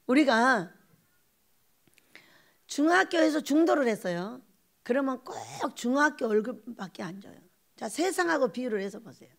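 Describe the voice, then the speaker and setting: A woman preaches a sermon in a lively, animated way and breaks into quoted voices as she goes. Her voice sits high and has a gravelly, creaky edge. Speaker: pastor.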